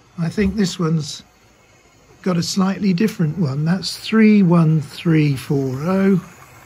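Noticeable background noise behind a very slow pace of speech. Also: man, high pitch for a man, ordinary pitch variation. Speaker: model railway hobbyist youtuber. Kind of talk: tutorial. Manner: casual.

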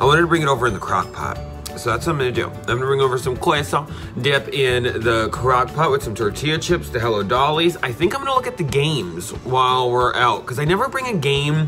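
Clear music plays in the background as the speaker moves at a very fast pace. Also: man, ordinary pitch variation. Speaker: vlogger. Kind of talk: casual vlog chat. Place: kitchen. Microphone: phone near.

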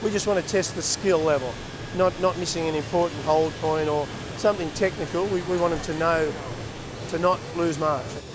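A high-pitched man's voice in an Australian accent with fairly even intonation, a moderate pace and noticeable background noise. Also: dry sound with no echo. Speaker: welding competition judge. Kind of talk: interview. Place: hall.

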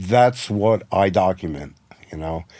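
A man with an American accent speaks at a fairly low pitch over a quiet background. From US Northeast, New Jersey. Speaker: record producer; interviewee. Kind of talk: interview. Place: studio.

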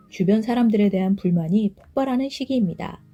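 Music plays in the background as a woman speaks at a medium pitch and moderate pace with ordinary pitch variation. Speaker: tarot reader. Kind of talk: educational tarot card explanation. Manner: soft, whispery.

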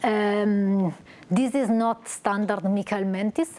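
A woman speaks with an Italian accent. Her pitch sits in the medium range, with ordinary variation. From Italy. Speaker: scientist, professor; professor giving lecture. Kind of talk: lecture. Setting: stage with audience. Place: hall. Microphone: lapel.

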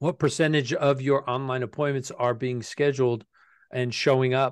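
A man with an American accent talks at a fairly slow pace in a fairly high voice. The background is quiet and the sound is dry, with no echo. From US West Coast. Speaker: webinar host, automotive business trainer. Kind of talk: live webinar panel discussion. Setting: video call webinar. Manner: animated. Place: studio. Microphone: studio mic.

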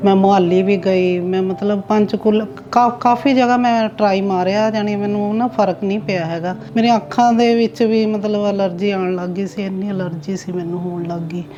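A woman speaks at medium pitch with fairly even intonation. Noticeable background noise runs under her voice. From Ludhiana, Punjab, India. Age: 50s. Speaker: patient giving testimonial. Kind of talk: patient testimonial to camera.

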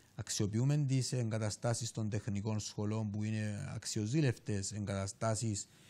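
In a Cypriot accent, a man with a fairly low pitch and a dark, mellow tone speaks fairly slowly. He takes hardly any pauses. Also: fairly even intonation. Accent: Cypriot Greek. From Cyprus. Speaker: education ministry official; guest. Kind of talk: TV interview. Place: studio. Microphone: lapel.

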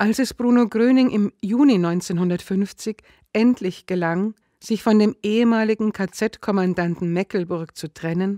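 A woman's dark, mellow voice at a medium pitch and fairly slow pace, dry and close with no echo. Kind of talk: audiobook narration. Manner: steady, measured, formal storyteller's delivery.

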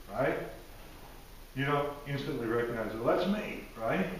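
Light background noise and audible room echo around a man speaking at a moderate pace. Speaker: lecturer. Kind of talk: lecture. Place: classroom.

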